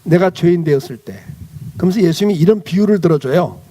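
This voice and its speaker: A man's voice: high-pitched, animated, fast talker, mellow. A male pastor giving a children's sermon, asking the children questions and then answering them himself.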